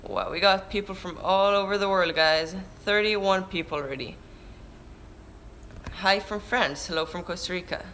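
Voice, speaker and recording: A man's voice: high voice, normal speed, pushed and bright, slight background noise, poor audio. Teen guy with a Hebrew accent. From Israel. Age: teens. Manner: chatty, restarts mid-word, answers questions read aloud. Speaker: surfer vlogger. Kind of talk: live stream Q&A reading chat questions. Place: indoors by a window. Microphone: camera-mounted shotgun mic.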